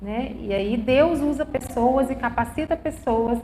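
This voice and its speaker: A woman with a high pitch speaks at a fairly slow pace, with audible room echo and noticeable background noise. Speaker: church talk speaker on suicide prevention. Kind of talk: church lecture with audience questions.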